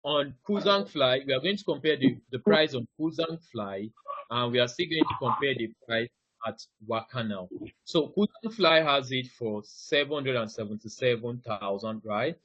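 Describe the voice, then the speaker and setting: This trainer presents a live online ticketing session over a video call, taking it one step at a time, frequently saying "now," and putting questions to the group. His voice is mid-range and fairly bright at a normal speed, carried by dull, dry call audio.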